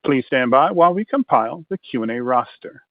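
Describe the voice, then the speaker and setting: A man's voice: medium pitch, expressive, fairly quick, dry recording. A man working as a conference call operator, reading scripted announcements and instructions. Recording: dry, narrow telephone line.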